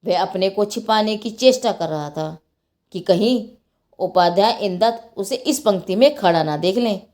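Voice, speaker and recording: Woman, storyteller, scripted moral religious narration, expressive, dramatic, medium pitch. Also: measured pace.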